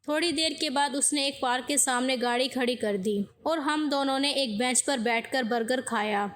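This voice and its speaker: High-voiced woman narrating a story. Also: a bit bright. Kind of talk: scripted first-person story narration.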